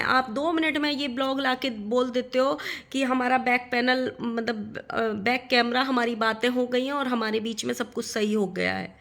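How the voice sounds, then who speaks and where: A woman's voice: fairly high pitch, gravelly, fairly bright tone. A middle-aged woman ranting in a vlog at another creator, indignant, firing rhetorical questions and repeating phrases for emphasis. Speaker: vlogger.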